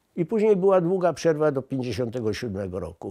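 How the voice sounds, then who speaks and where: Against a quiet background, a man speaks with a dark, mellow tone at a fairly high pitch. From Poland, Warsaw area (Ursus); Poland. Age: 80s+. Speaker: war witness, scouting instructor; witness. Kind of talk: testimony. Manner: halting, with fillers. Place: home room.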